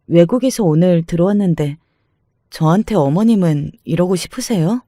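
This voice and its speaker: A man voicing a calm, cutting young newlywed daughter-in-law who answers politely but sarcastically. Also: high-pitched, moderate pace, dry recording, clean studio sound, close to an everyday voice. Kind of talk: dramatized story reading.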